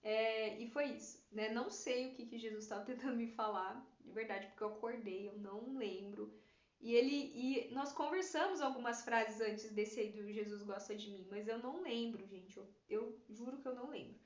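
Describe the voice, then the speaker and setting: Lady telling her dreams, heartfelt, lots of "né", kinda high voice, roomy lo-fi audio. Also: moderate pace. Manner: earnest, heartfelt, many fillers like "né". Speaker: writer sharing prophetic dreams. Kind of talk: personal testimony, casual storytelling. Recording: roomy, slightly dull lo-fi sound.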